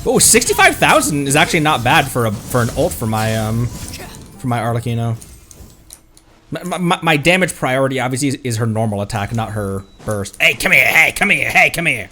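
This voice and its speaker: A man doing casual gameplay commentary as a streamer, excitable and colloquial, close to the microphone. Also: medium pitch, brisk. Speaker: streamer, VTuber. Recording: faint game music behind voice.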